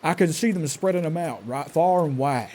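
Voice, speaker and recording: His voice is on the high side with a dark tone, expressive and at a moderate pace. Playing a game live for his stream, he's stressed, mutters to himself, and lets out sudden curses at enemies.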